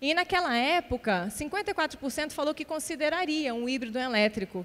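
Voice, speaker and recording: Lively intonation marks a woman talking at a very fast pace. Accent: Minas Gerais. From Brazil, Minas Gerais. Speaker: tech company industry lead, conference speaker. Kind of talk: conference talk.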